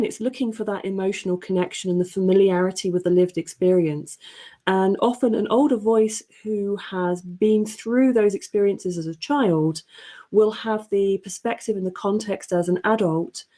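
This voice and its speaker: A woman speaking as a panelist, explaining her editorial work in an articulate, earnest, measured way. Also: medium pitch, mellow. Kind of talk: considered panel discussion talk.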